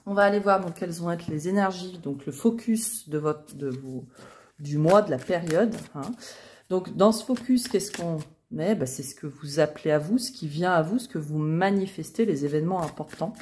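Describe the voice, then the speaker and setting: A woman's voice: fairly low pitch, moderate pace, a little hiss or hum. A woman hosting a casual tarot reading, talking to her viewers in a chatty way with many small fillers. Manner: chatty, many fillers like euh and hein, soft asides. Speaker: tarot reader, channel host.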